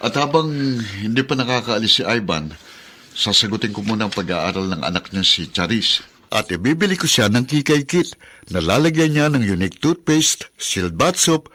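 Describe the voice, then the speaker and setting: A man's voice: lowish voice, big pitch swings, moderate pace, bright, forceful tone, a little hiss or hum. A man playing a shy, apologetic, tender-hearted gay elder brother in a radio drama, speaking hesitantly with stammers. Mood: reassuring. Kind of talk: Tagalog radio drama acting.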